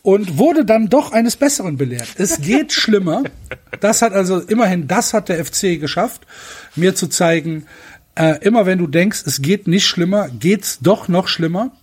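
A man's voice: high voice, animated, moderate pace, a little mellow, husky. A man hosting a casual podcast chat, venting at length with frequent hesitations and restarts. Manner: frustrated rant full of fillers and restarts. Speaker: podcast host.

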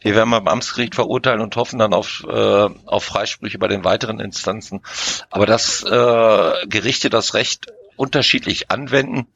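A man's voice: lowish voice, steady tone, normal speed, vocal fry, a bit bright, dull audio. A man speaking as a lawyer in a conversational discussion, explaining and arguing his points with emphasis. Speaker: lawyer, podcast guest.

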